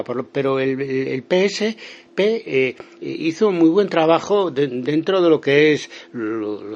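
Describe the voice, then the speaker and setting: A man with a Galician Spanish accent giving a phone interview as a guest, talking hesitantly with many fillers and restarts. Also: mid-range voice. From Spain. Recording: lo-fi phone line.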